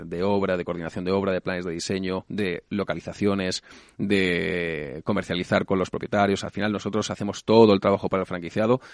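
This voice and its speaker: Fast gravelly low-voiced man. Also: no room sound, studio quality. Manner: fluent business talk with fillers. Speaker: franchise expansion director guest. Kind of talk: business interview.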